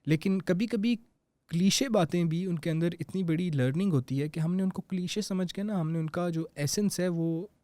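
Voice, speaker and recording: A Pakistani man giving motivational advice on a podcast, his voice a little higher than most men's. He speaks earnestly, slowing down to stress key phrases and then rushing through asides. The sound is close and dry, with no room echo. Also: mellow. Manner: earnest, slow emphatic English lines amid quick Urdu. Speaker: public speaking guest.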